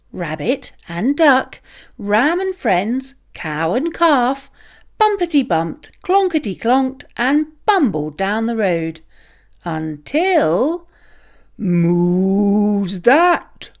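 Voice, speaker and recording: A woman reading a children's story aloud as an expressive, deliberate, sing-song narrator. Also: on the high side. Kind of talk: animated scripted read-aloud narration for children.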